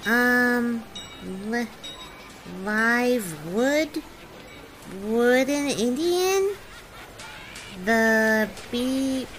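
A performer playing a childlike, eager companion who speaks in halting, simple phrases. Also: medium pitch, animated, fairly bright tone, a little hiss or hum. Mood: curious.

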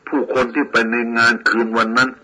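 A man reading a moral tale in first person, in a measured, moralizing storytelling manner. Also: mid-range voice, steady tone, bright, forceful tone, breathy edge, low-quality recording. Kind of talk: scripted storybook narration.

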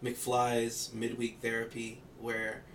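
A man's voice: mid-range voice, completely flat delivery, slow, a bit bright, slight background noise. A young man chatting casually as a podcast guest, rambling with fillers and laughing often.

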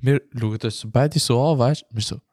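A man's voice: medium pitch, brisk, breathy edge, no room sound, studio quality. A young man with a Swiss German accent, originally from Macedonia, telling a casual story in a podcast chat. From Albanian from Macedonia. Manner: animated, slangy storyteller with frequent filler tags. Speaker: podcast host.

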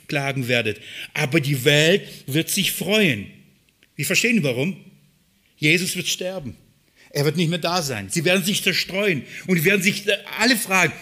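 A man delivers a sermon in a bright, forward voice that sits a little higher than most men's. He shifts between hushed, low passages and emphatic, raised ones as he reads scripture and explains it. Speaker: preacher.

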